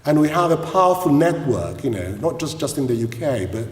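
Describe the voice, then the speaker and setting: A man speaks at a public forum, his chatty delivery full of "you know" fillers. He sounds set back from the microphone in a big hall with a long, ringing reverb. His pitch sits at an ordinary level for a man. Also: very animated, a little fast. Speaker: forum chairman introducing speakers. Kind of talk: formal address at a forum. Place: large hall at an event. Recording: echoey hall, speaker far from mic.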